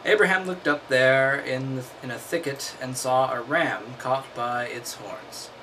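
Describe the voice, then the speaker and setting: A man's voice: mid-range voice, measured pace, sharp tone, a little hiss or hum. A man reading aloud and breaking off into wry, mocking commentary. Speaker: host.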